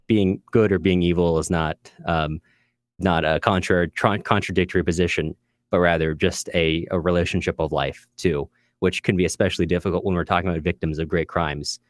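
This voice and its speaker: A man's voice: deep voice, steady tone, fairly quick, no echo, studio quality. A man co-hosting a podcast, casually discussing literature and hesitantly repeating words as he thinks. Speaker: podcast co-host.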